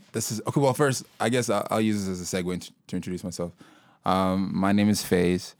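A young man with a very low voice talks loosely and unhurriedly, circling his thoughts with fillers and restarts. He is a local hip-hop artist from Sudan being interviewed. The recording is dry and close. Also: a little fast, no room sound. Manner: relaxed, rambling, lots of fillers and restarts. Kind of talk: casual interview conversation.

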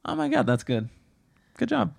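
A man's voice: high voice, huge pitch swings, moderate pace, gravelly, a little mellow. A man co-hosting a casual podcast chat, teasingly quizzing his co-host on slang.

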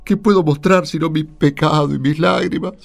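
A man's voice: fairly high pitch, steady tone, normal speed, creaky. An Argentine man playing a humble, repentant tax collector who pleads contritely with God in a radio drama. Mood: remorseful. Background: music.

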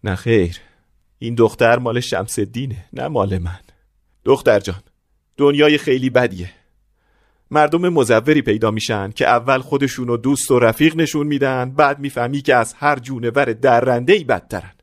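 A man's voice: mid-range voice, no room sound, studio quality, lightly acted. An actor playing a stingy, scheming middle-aged father in a radio play, switching from blustering to wheedling. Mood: pleading, bitter. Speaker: father of the bride.

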